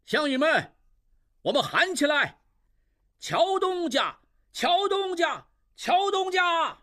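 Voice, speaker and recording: A man voicing a bold young merchant heir who rallies a crowd, his voice high, husky and lively. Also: moderate pace, full character voice. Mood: rallying. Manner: rallying, forceful.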